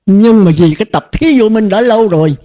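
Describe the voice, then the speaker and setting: Older monk giving a folksy sermon. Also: male voice, high voice, lively intonation, fairly quick, warm tone. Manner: folksy, rhetorical questions, chuckles often. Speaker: Buddhist monk teacher. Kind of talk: dharma talk to disciples. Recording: dull lo-fi recording.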